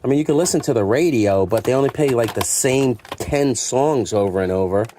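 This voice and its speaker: Mellow, casual middle-aged man over background noise. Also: mid-range voice, animated, brisk. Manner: conversational, self-deprecating, acts out imagined remarks. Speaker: secondhand store owner showing stock. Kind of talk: casual, rambling chat to camera. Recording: clear background noise with clicks.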